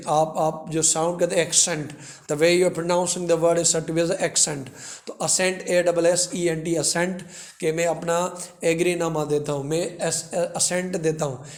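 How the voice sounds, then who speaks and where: A man with a Pakistani accent teaching vocabulary in a classroom lecture style, repeating words and spelling them out. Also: on the high side. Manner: repetitive, spells words out letter by letter.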